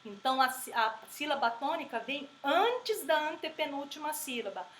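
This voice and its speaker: A woman teaching a grammar lesson, explaining patiently and repeating example words slowly. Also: high voice, expressive, a bit bright. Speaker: Spanish teacher. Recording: echoey room with faint background noise.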